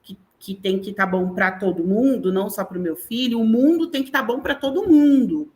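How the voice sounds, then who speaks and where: A woman's voice: mid-range voice, normal speed, darkish tone. A middle-aged woman with a Brazilian Portuguese accent, an educator talking animatedly as an interview guest and often checking in with tag questions. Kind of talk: conversational interview talk.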